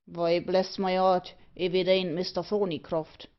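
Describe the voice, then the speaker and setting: A woman voicing a gruff, hearty working-class tinker, a man in a story. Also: fairly low pitch, little pitch movement, a little slow, close to an everyday voice. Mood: gruff surprise. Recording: dull, lo-fi audio.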